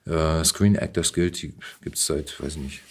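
A man's voice: a bass voice, measured pace, husky. A middle-aged man talking casually as a guest in an interview, recounting his experiences in a conversational way. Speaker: podcast guest, actor and voice actor.

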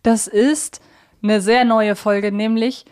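A woman's voice: on the high side, steady tone, takes it slowly, a little mellow, clean tone. A woman chatting casually as co-host of a fan quiz podcast.

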